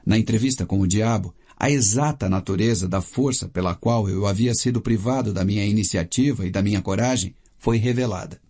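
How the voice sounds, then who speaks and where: Mellow Brazilian man narrating an audiobook. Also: lowish voice, brisk, few pauses. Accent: Brazilian Portuguese. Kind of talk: scripted first-person audiobook narration.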